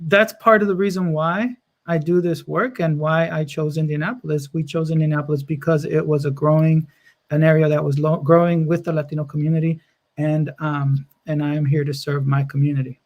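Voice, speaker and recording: Male guest from Mexico, earnest and passionate, slightly high voice. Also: flat delivery, brisk. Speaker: podcast guest, educator. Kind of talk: casual podcast discussion.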